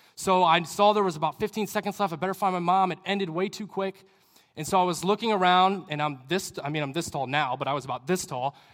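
A loud man talks at a very fast pace. His pitch is high, with ordinary variation. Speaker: guest preacher at young adult ministry. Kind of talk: sermon. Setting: church with live audience.

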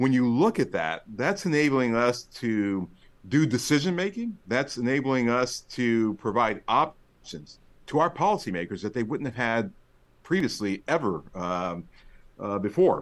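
A man with an American accent at a medium pitch, very wide pitch swings, a fairly slow pace, and a quiet background. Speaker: senior defense intelligence official. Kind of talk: interview. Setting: video call.

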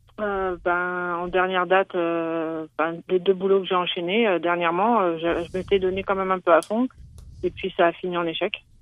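Over music in the background, a woman talks at a moderate pace in a fairly low pitch with monotone, flat intonation. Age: 40s. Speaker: caller. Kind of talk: call-in advice conversation. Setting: phone call. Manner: halting.

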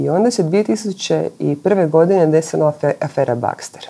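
A woman talks in a calm tone with lively intonation. Her pitch is very deep and low, and her tone is dark and mellow. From Zagreb, Croatia. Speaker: psychiatrist and professor. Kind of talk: interview.

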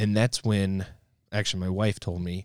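An ordinary speaking voice from a man, fairly low in pitch, at a moderate pace, recorded very cleanly against a silent background with a dry, close sound and no echo. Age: 30s. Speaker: guest co-host, businessman. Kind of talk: casual chat.

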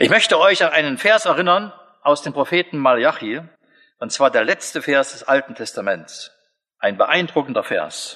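A man uses an ordinary speaking voice at a fairly high pitch. His loudness swings widely. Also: lively intonation, moderate pace. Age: 60s. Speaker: lay preacher. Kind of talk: sermon.

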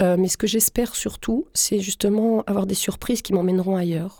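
The tone is dark and mellow. The pace is moderate, with ordinary pitch variation. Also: woman. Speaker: novelist. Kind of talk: interview. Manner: halting.

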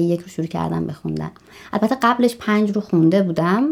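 The speaker keeps a calm tone at a fairly quick pace. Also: woman. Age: 30s. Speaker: biology graduate and community volunteer. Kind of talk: interview.

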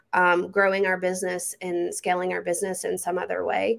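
Recorded very cleanly against a silent background, a woman speaks with a Southern US accent. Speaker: business coach and entrepreneur. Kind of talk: interview conversation.

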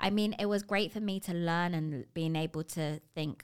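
Someone with an English accent speaks at a moderate pace with ordinary pitch variation. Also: woman. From London, England. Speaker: small business owner. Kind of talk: casual chat.

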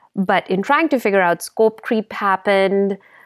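With an ordinary speaking voice, a woman talks at a medium pitch and moderate pace on a very clean recording with a silent background. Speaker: CPA firm owner. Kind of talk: podcast interview.

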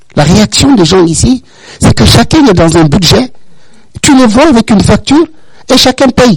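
Over noticeable background noise, a man talks at a moderate pace with very wide pitch swings. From Guinea. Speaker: debate contestant, journalism-trained. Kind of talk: competitive debate. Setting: radio studio.

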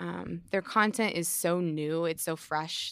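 A woman's ordinary speaking voice, fairly low-pitched and fairly slow, with fairly even intonation, on a very clean recording with a silent background. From Colorado, Denver. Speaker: church worship leader. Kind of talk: casual interview.

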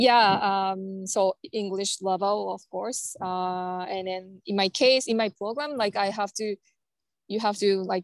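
In a Japanese accent, a woman at medium pitch speaks at a very slow pace, in a dry, close sound with no echo and a quiet background. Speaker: guest, Japanese expat in Canada. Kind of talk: casual chat. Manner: halting.

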